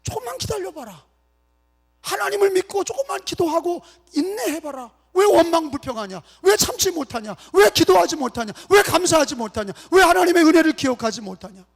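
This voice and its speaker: A man's voice: very high-pitched, lively intonation, a little fast, vocal fry, voice pushed up, exaggerated voice. A male pastor voicing God as an exasperated but reassuring father figure, speaking emphatically. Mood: exasperated scolding. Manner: emphatic, scolding then promising, raised and ringing. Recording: long reverb of a church hall.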